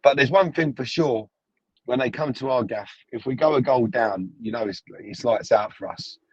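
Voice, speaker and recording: Husky man leaving a dry phone voice message. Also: mid-range voice, a little mellow, no echo, dull audio. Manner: halting, heavy on "you know" fillers. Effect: voice message recording. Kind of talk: casual spoken voice message.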